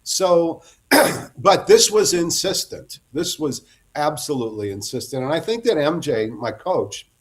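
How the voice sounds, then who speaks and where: A man's voice: on the high side, sing-song, a little slow. A middle-aged man, a guest author, telling long rambling anecdotes in a casual interview and often breaking off to restart.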